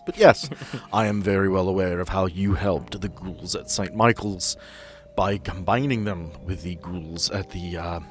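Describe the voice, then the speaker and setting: A man's voice: deep voice, close to an everyday voice. A man voicing a busy, impatient female office boss with stiff, wordy, formal speech in a tabletop game. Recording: background music behind the voice.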